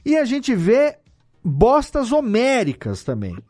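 A man's voice: very high-pitched, huge pitch swings, slow pace, darkish tone, faint music behind. A Brazilian man hosting a conversational podcast interview, speaking in an emphatic, colloquial way. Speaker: podcast host.

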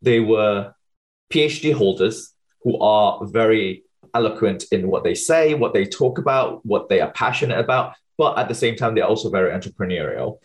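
Male scientist guest from Malaysia, thirties, lowish voice, rapid explanatory bursts. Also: animated. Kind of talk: interview answers.

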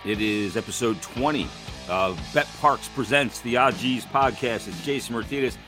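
A man's voice: medium pitch, normal speed, music in the background. A man co-hosting a podcast in casual chat, teasing and profane. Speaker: podcast co-host.

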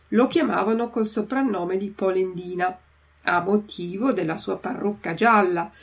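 A woman storyteller reading a children's classic aloud, chapter by chapter. Her voice has a gravelly, creaky texture, and she stops to explain difficult words. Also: medium pitch. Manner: slow, explains hard words first.

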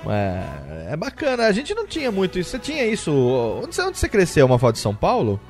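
A man's voice: sits high, huge pitch swings, fast talker. A man with a Brazilian accent hosting a casual group chat about old music. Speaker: podcast host. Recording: music playing under the talk.

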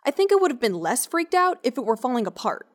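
A woman's voice: sits high, big pitch swings, quick pace. An actress playing an awkward, sarcastic scientist in an audio drama, rambling and hesitant as she talks and narrates. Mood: wry, uneasy narration. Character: awkward, wry, sweary young woman scientist and cryptozoologist. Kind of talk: naturalistic audio drama acting with first-person narration.

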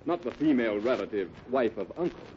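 A man's voice: mid-range voice, expressive, brisk, lightly acted. A man playing a good-natured, folksy cowboy straight man in a 1950s radio Western. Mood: bemused, good-natured. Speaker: cast announcer and straight man. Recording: muffled noisy 1950s radio broadcast.

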